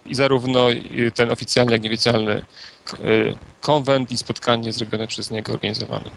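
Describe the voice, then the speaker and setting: A man co-hosting a casual podcast, his voice gravelly with a steady fry underneath. He talks in a relaxed, rambling way, explaining things at length with plenty of fillers. His pitch sits in an ordinary middle range. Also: fairly quick. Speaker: podcast co-host. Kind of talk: casual chat.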